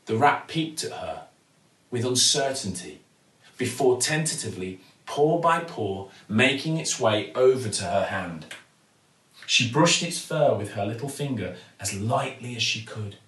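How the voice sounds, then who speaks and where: A British man in his forties reading a children's bedtime story expressively, with theatrical pauses and emphasis. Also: mid-range voice, expressive, fairly bright tone. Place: living room at home, indoors. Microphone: camera or phone a few feet away. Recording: roomy, mic at some distance.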